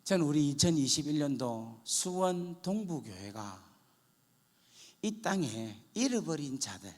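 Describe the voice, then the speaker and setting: High, animated pastor in a reverberant church. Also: male voice, a little slow. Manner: dramatic, acts out prayers and dialogue, swings from hushed to loud. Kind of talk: sermon with personal testimony. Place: church sanctuary.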